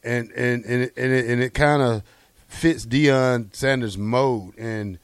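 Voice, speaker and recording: A man co-hosting casual sports talk in an earnest, halting way, often repeating words as he builds a point. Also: mid-range voice, clean tone, dry recording, clean studio sound. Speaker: sports show co-host.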